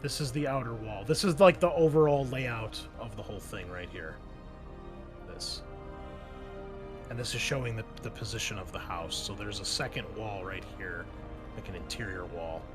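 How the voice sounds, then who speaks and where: A man's voice: lowish voice, normal speed. A man running a tabletop roleplaying game as game master, explaining things patiently and a little hesitantly in casual talk. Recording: music under the voice. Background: background music.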